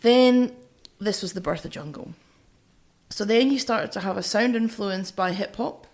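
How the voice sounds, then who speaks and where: At a measured pace and in a mid-range voice, a Scottish podcast co-host chats informally about music, explaining from notes with a teasing, talkative style.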